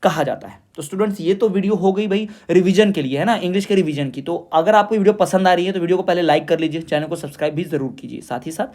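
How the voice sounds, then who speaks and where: A man with a high voice teaching an exam revision class. He asks the students questions and answers them himself. He slows right down to read definitions word by word. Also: darkish tone. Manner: explains in Hindi, reads definitions slowly in English.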